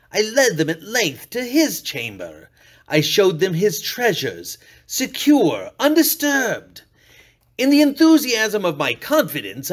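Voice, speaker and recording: A man performing a dramatic storybook reading as an unhinged murderer, theatrical, sliding from hushed purring to shrieks. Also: high-pitched, heavily acted. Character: unhinged male murderer, gloating and paranoid, classic villain. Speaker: reader.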